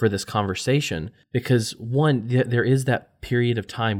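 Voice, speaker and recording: On a very clean recording with a silent background, a man has a normal speaking voice. He keeps a moderate pace and a fairly even intonation. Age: 30s. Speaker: podcast host. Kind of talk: podcast outro; casual chat.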